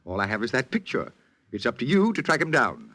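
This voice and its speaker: An actor playing a pompous, grandiose movie studio boss in a 1940s radio drama, talking in lofty words. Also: male voice, mid-range voice, very animated, fairly quick, sharp tone, exaggerated voice. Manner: grandiose, lofty vocabulary, theatrical. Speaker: studio head.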